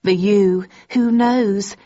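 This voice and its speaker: A woman's voice: medium pitch, lively intonation, normal speed, breathy edge, voice pushed up. A woman reading an audiobook, voicing a smug, mocking young woman who talks down to her rival. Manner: disdainful, sneering. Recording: dull lo-fi recording.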